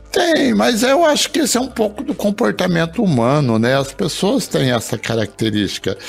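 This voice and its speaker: A man speaks at a moderate pace with hardly any pauses and very even loudness. Noticeable background noise runs underneath. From rural Brazil. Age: 60s. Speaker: company founder and president. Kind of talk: interview. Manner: halting.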